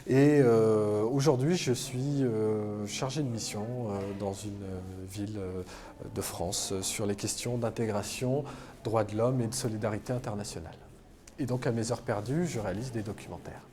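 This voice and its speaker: A man's voice: on the low side, fairly even intonation, moderate pace. A man being interviewed about his documentary, talking hesitantly with many fillers. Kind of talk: interview answers.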